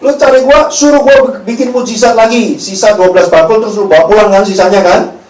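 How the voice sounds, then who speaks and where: A man's voice: high-pitched, brisk, darkish tone, roomy sound, distant mic, natural voice, low-quality recording. A man preacher voicing Jesus as a blunt, streetwise local with slangy, needling talk.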